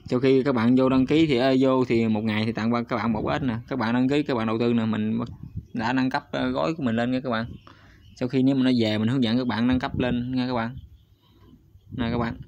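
A man talks viewers through a screen recording at an ordinary middle pitch. He is chatty and hesitant, stopping on fillers and turning to his audience again and again. The recording sounds slightly dull and lo-fi. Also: steady tone, brisk, darkish tone. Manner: chatty, hesitant, often stops on fillers and addresses viewers constantly. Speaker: YouTube channel host. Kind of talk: casual screen-recorded walkthrough.

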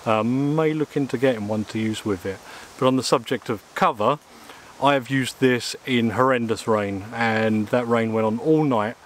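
Out in woodland by a small tent and inside it, a man from England chats casually through an outdoor gear review, with lots of ums and uhs. His voice is medium-pitched at normal speed, captured by a camera mic close up and at mid distance amid slight background noise.

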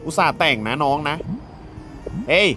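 A man's voice: on the high side, animated, moderate pace, bright, forceful tone, soft background music. A man playing through a video game, joking around and reading the dialogue aloud as he goes. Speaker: gaming YouTuber. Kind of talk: let's play commentary.

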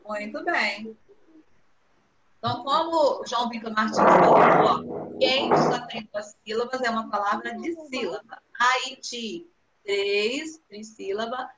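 A woman's voice: on the high side, a little slow, heavy background noise. A woman with a Brazilian Portuguese accent teaching young children in an online class, patiently coaxing and stretching out words. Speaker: primary school teacher. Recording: echoey room, dull video-call audio.

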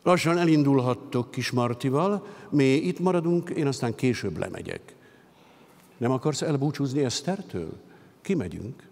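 Guy doing a cool organized official giving orders, gravelly, long hall echo. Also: medium pitch, lively intonation, a little mellow. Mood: solicitous. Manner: measured, businesslike instructions. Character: male official calmly arranging a prisoner's transfer. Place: concert hall stage at a literary gala.

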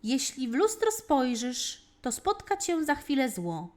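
A woman's voice: sits high, sing-song, unhurried, a little mellow. A woman voicing a conceited, wicked young male devil in a fairy tale, declaiming grandly. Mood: boastful. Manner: grandiose, declaiming in rhyme and boasts.

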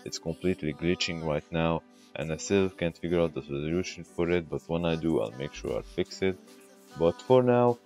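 A man hosts a casual tech tutorial, walking the viewer through each step at a moderate pace. His low, expressive, darkish voice comes through a glitchy, bitcrushed mic that makes it sound robotic. Faint music plays behind him.

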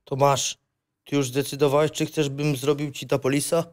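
A man's voice: medium pitch, flat delivery, normal speed, a little mellow, close to an everyday voice. An actor as an insistent middle-aged man. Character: Hans, an insistent stepfatherly man of fifty-three. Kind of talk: screenplay table reading as radio play.

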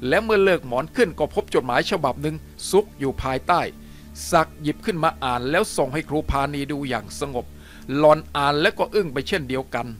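A man's voice: fairly high pitch, expressive, a little fast, a bit bright. A man steadily and expressively reading a novel aloud as a storyteller. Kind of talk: audiobook narration of a novel. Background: faint music.

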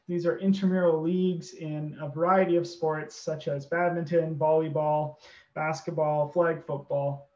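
Higher-voiced Canadian man on a muffled call. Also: a little mellow. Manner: informative, with filler pauses and restarts. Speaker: university presenter. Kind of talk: virtual info session presentation. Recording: dull echoey call audio.

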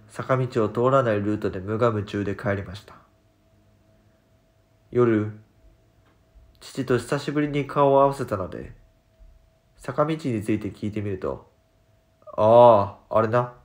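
A man reads scripted ghost stories as a horror narrator, in a measured storytelling manner with dramatic pauses. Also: mid-range voice. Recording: background music behind the narration. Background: music.

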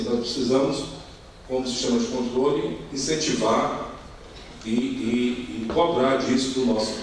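A middle-aged man with a Brazilian accent giving a formal, partly improvised conference talk, halting and repeating words as he searches for phrasing. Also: medium pitch. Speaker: conference speaker. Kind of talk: semi-extempore formal presentation. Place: indoor conference hall at a lectern. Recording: echoey hall, distant mic, faint noise.

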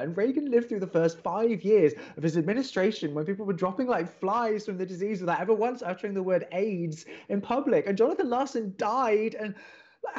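An actor playing a young, wordy and opinionated college radio co-host in an audio drama, talking in halting conversational bursts. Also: male voice, high-pitched, darkish tone, highs cut off. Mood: anguished, heated. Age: young adult. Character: earnest, exasperated young male college radio co-host, a theatre buff.

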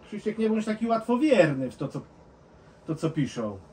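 A man's voice: high voice, very animated, moderate pace, mellow, husky. A man in casual chat, coaxing and insistent, who soothes the other man when he cries.

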